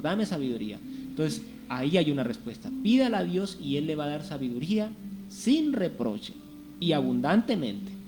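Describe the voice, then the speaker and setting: A man's voice: a little high, poor audio. A man giving a reflective sermon on a Christian radio show, speaking conversationally with rhetorical questions and acted-out inner voices.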